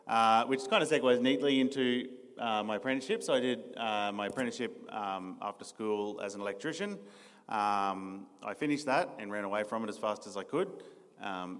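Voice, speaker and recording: A young Australian man giving his personal testimony in a church interview, earnest, with many ums and restarts. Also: fairly low pitch. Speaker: new church staff member being interviewed. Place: church hall. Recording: reverberant church hall.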